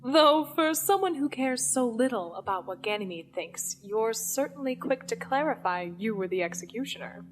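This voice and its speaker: An actress playing a cold, commanding villain in an audio drama, measured and menacing in manner. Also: female voice, a little high, lively intonation, soft background music, natural voice. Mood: controlled, smug. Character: cold, commanding female villain, leader of conspirators.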